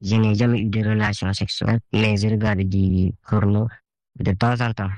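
A man in his twenties leaving an anonymous voice message for a radio show, his voice disguised by a deeper pitch shift, polite and a little hesitant. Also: level tone, moderate pace, darkish tone, no room sound. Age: 20s. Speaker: anonymous listener with a recorded question.

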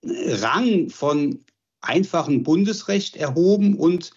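A man's voice: fairly high pitch, lively intonation, slow, darkish tone, husky, highs cut off. A man explaining legal arguments emphatically in an interview clip. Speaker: law professor.

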